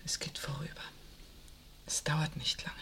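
An actress playing a gentle, anxious young mother who clings to hope in a 1960s radio drama, soft, pleading and often hushed. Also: a little slow, whispered, lightly acted. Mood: soothing, hopeful. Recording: 1963 radio recording, faint background noise.

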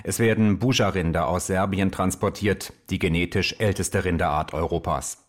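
A man's voice: sits low, normal speed, natural voice. A man playing a radio traffic announcer, delivering scripted bulletins in a radio comedy. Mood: matter-of-fact. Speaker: traffic news presenter.

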